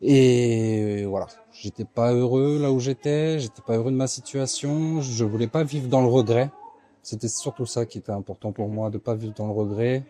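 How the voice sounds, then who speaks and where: A man's voice: mid-range voice, moderate pace, mellow. A man in his forties from France, talking casually as an interview guest, often hesitating with fillers and restarts. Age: 40s.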